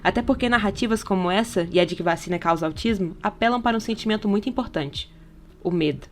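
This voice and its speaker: A woman's voice: mid-range voice, fast, a little hiss or hum. A Brazilian woman reading a scripted podcast essay in an explanatory manner, often posing rhetorical questions. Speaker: podcast narrator. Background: background music.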